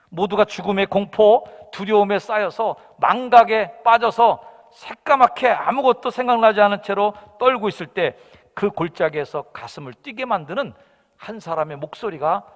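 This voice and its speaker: Male pastor, Sunday sermon, emphatic and fairly high, long hall reverb. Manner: emphatic preaching that swings between shouts and soft asides. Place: church sanctuary.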